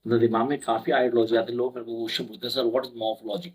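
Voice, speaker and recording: A man's voice: medium pitch, flat delivery, quick pace, husky, rough recording. A young adult man tutoring for an English exam in a casual mix of Hindi and English, chatty and reassuring, acting out his students' questions. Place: indoor room with a whiteboard behind him.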